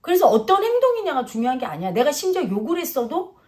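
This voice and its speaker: Animated woman lecturing on the mind. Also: sits high, fast talker. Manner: lecturing, acts out quoted voices, drifts between plain and polite speech. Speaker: spiritual teacher. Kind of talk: casual spiritual talk.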